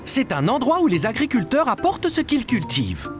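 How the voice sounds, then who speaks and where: A man's voice: very high voice, huge pitch swings, a little fast, over music, exaggerated voice. A man voicing a patient, friendly father who explains things simply in a French-dubbed children's cartoon. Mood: explaining.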